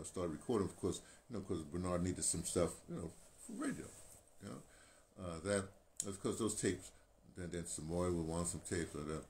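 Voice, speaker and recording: A low, slightly mellow voice belongs to an American man in his sixties, a radio veteran turned video blogger, who rambles casually into his phone held at arm's length. His talk is halting and digressive, with phrases repeated as he goes. He sits in a small painted room indoors, and the recording is clear with some ambient background noise.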